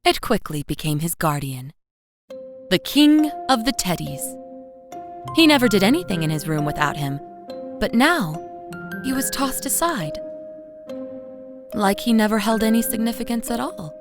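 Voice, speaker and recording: A devoted, worn-out young mother narrates a scripted horror audio drama. Her storytelling is intimate and expressive, at an ordinary female pitch. Music plays underneath her voice. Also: moderate pace, pauses often. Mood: tender, uneasy. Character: weary, devoted young mother recounting an unsettling night. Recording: voice over music bed.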